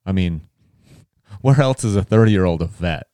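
A man's voice: deep voice, lively intonation, unhurried, dark tone, no room sound, clean studio sound. A man hosting a casual interview, who rambles and restarts his questions often. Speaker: podcast host.

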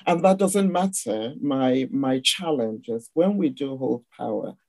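A woman with a Nigerian accent, a guest speaker explaining ideas in a measured way on a video call. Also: very deep voice, animated, a little mellow, no echo. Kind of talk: online discussion session.

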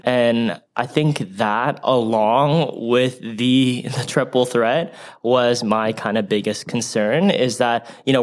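A man co-hosting a casual podcast, chatty and upbeat as he leads the conversation. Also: medium pitch. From raised in a Korean immigrant family. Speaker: podcast co-host. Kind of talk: casual chat.

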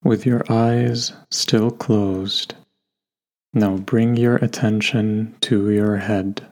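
A man guiding a meditation in a gentle, unhurried way, leaving long pauses between instructions. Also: fairly low pitch, flat delivery. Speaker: meditation guide. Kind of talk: guided meditation narration. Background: soft background music.

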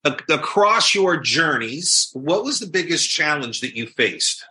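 Male host, husky and very bright-toned, chatty, affirming interviewer. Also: a little high, very animated, a little slow. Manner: affirming, chatty, asks follow-ups. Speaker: podcast host. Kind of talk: interview conversation.

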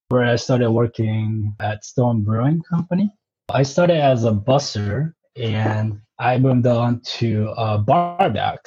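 A man in his thirties, born in Japan and raised in southern California, relaxed and casual as an interview guest, often pausing with "uh". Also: medium pitch, husky, lo-fi sound. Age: 30s. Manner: relaxed, pauses with uh, tempo speeds and slows. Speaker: guest, brewery representative.

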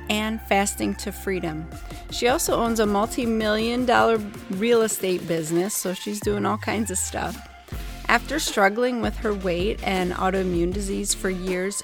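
Upbeat woman podcast host with creaky edges. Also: mid-range voice. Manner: upbeat, enthusiastic, chatty. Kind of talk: podcast introduction and friendly interview. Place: small closet at home.

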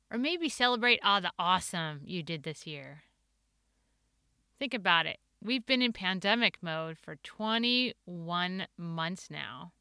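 A woman in her forties with a Midwestern American accent talks through her solo podcast in an earnest, playful way. Her voice is sharp and bright, smooth and clean. The recording is dry and close, with little sound of the room. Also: mid-range voice, no room sound. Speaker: podcast host.

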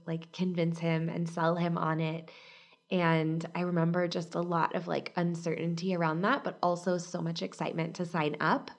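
A woman in her thirties hosting a casual solo podcast, upbeat and chatty, her voice husky from a cold. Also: on the low side. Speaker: podcast host and business coach.

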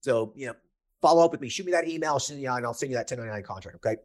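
A man's voice: mid-range voice, racing. A man in his thirties hosting a podcast, giving casual business coaching in a blunt, emphatic way and repeating his key points.

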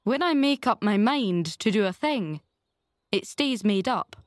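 A woman's voice: a little high, expressive, dry recording. Woman playing a stern, dry-spoken guardian. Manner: dry, firm, measured.

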